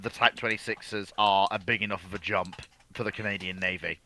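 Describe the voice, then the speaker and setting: A man's voice: on the low side, fairly even intonation, a little fast, pushed and bright. A man speaking as a co-commentator in a casual discussion, explaining his points with emphasis. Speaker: panel co-commentator.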